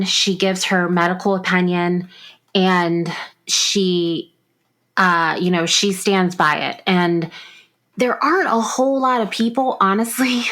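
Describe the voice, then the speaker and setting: A woman's voice: medium pitch, a bit bright. A woman co-hosting a true crime podcast, laying out her argument step by step with plenty of fillers in casual discussion. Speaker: podcast co-host.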